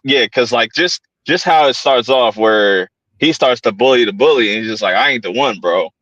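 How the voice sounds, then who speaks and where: A man's voice: medium pitch, moderate pace, fairly bright tone, dry recording, lo-fi sound. A man hosting a horror podcast in casual chat, laid-back and slangy, often repeating his phrases. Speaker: podcast host. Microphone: home streaming setup.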